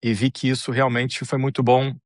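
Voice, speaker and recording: A middle-aged man with a Brazilian accent telling his story as an interview guest, measured and often repeating phrases as he searches for words. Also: mid-range voice, flat delivery, dry recording, studio quality. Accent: Brazilian Portuguese. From Brazil, born in Paraná, grew up in Rio de Janeiro. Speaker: interview guest, technology manager. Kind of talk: conversational personal story.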